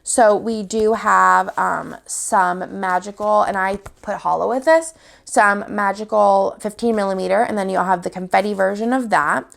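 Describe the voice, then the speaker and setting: Upbeat young woman, sniffly cold, gravelly fry, medium pitch, casual shop-owner vlog. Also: steady tone, moderate pace. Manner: chatty, upbeat, walks through items one by one. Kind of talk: casual product showcase.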